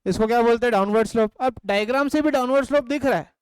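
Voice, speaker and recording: A man's voice: very high voice, rapid-fire, darkish tone, clean tone, no room sound. A man teaching an economics class, drilling his students with question-and-answer prompts. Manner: drills points with call-and-response. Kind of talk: live class lecture. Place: classroom or home studio.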